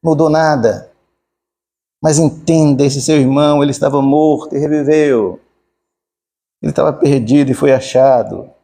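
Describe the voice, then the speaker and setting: A man's voice: on the high side, fairly even intonation, moderate pace, pauses often, warm tone. A man voicing a loving, forgiving old father who speaks tenderly and repeats his reassurances. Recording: echoey church hall.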